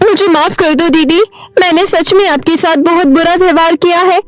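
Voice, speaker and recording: Woman voicing a very high, wheedling young wife. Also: steady tone, moderate pace, soft background music. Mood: falsely apologetic. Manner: wheedling, pleading. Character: wheedling, vain young second wife feigning sweetness.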